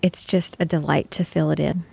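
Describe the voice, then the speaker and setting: A woman's voice: low-pitched, fairly even intonation, a little fast, gravelly, darkish tone, breathy edge, no echo. A woman chatting casually as a guest on a talk show. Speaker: podcast guest. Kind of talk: casual chat.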